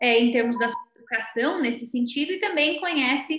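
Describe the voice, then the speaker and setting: A woman projects a raised voice with a bright, sharp tone and ordinary pitch variation, her words carrying audible room echo over a quiet background. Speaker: interview host. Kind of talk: interview question. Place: home room. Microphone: webcam.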